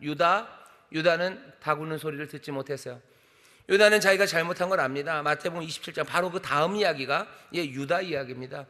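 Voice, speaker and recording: A man's voice: a little high, a little fast, bright, forceful tone, in a large hall. A male senior pastor giving an earnest dawn sermon in a church, asking many rhetorical questions. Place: church sanctuary.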